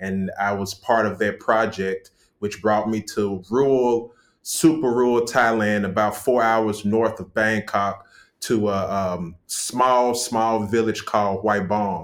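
Speaking very slowly in a Memphis accent, a man uses a fairly low pitch and fairly even intonation. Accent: Southern US (Memphis). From US South, Memphis, Tennessee. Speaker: travel photographer. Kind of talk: interview.

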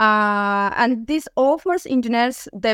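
A woman's voice with an Azerbaijani accent on a very clean recording with a silent background. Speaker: subsea engineer. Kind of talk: interview. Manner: halting.

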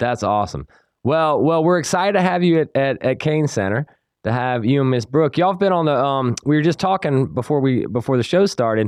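A man with a North Carolina accent talks fairly quickly in a fairly high pitch, with lively intonation. His loudness stays very even, and the sound is dry and close with no echo. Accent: Southern US, North Carolina. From North Carolina Piedmont. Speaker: radio host. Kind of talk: casual interview.

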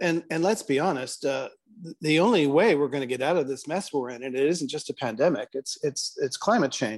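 A man speaks in a plain, everyday voice, fairly high in pitch. His pace is fairly quick, with ordinary pitch variation. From Canada. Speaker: interviewer, writer-producer. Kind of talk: interview conversation.

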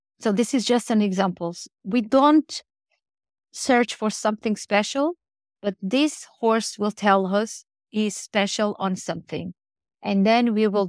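On a very clean recording with a silent background and a dry, close sound with no echo, a woman of medium pitch speaks at a fairly slow pace with ordinary pitch variation. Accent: Portuguese. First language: Portuguese. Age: 40s. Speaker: horse trainer. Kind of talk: interview.

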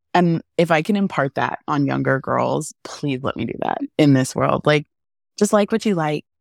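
At a moderate pace, a woman with a very deep, low pitch speaks with lively intonation and vocal fry, the sound dry and close with no echo. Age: 30s. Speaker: podcast host. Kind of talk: casual chat. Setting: remote recording from home.

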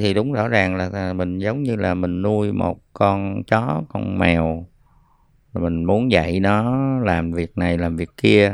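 This man's voice is very deep and low. He talks at a very slow pace. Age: 50s. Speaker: retired architect. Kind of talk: casual chat. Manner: halting.

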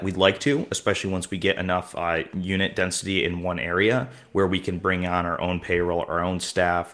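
Fairly quick delivery in a very deep, low male voice. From New York. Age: 20s. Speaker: real estate investor. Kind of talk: radio interview.

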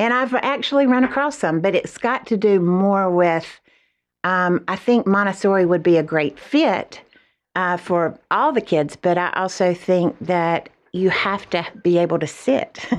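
A woman talks at a medium pitch and a fairly slow pace, with lively intonation, in a plain, everyday voice. The background is quiet. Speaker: Montessori school representative. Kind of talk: radio interview. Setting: studio.

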